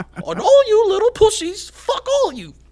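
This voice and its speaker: In a put-on character voice, the speaker sounds squeaky and hoarse at an extremely high pitch, moving at a moderate pace. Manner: aggressive, swearing, taunting.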